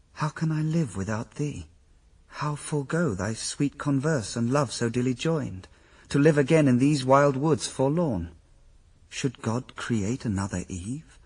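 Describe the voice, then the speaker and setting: A devoted, resolute first man in a radio verse drama. He speaks slowly and gravely, with a breathy husk in his voice. He sits a little back from the mic. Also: mid-range voice, recorded from a distance. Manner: grave, solemn, measured verse delivery.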